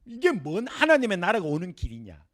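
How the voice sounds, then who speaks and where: A middle-aged male professor gives a Bible lecture. His voice sits high and leaps around expressively. He acts out the scenes vividly for the class. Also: wildly swooping pitch, a little fast.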